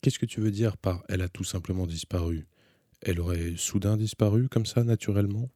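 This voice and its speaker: A man's voice: fairly low pitch, brisk, dark tone, no room sound, clean studio sound, natural voice. A man reading an audiobook, voicing a blunt, teasing teenage girl who fires insistent, needling questions. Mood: mocking.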